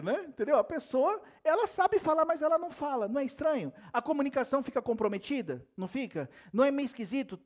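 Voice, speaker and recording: Man, pastor, lively sermon, rhetorical questions, joking, animated pitch, church. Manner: talks straight to the congregation with many rhetorical questions; laughs and jokes while preaching.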